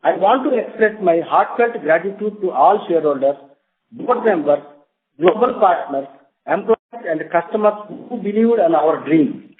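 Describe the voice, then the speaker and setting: Male executive, Indian accent, high register, formal scripted delivery, thin phone-call sound. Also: expressive, moderate pace. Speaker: company executive. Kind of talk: scripted corporate address. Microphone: telephone conference line. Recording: tinny narrowband phone line.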